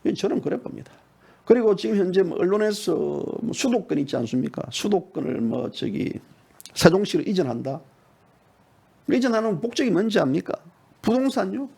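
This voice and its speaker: Middle-aged man, partisan political commentary, gravelly husky voice, high lively pitch, mocking and heated. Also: moderate pace. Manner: heated, mocking, swings from low mutter to sudden high shouts.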